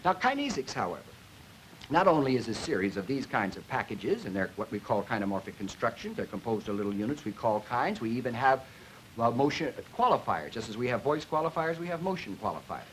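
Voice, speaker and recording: A man giving an explanatory educational lecture in an emphatic, deliberate, didactic way, as a linguistics lecturer. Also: medium pitch, big pitch swings. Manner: emphatic, deliberate, didactic, stressing key words. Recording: noisy 1950s educational film soundtrack.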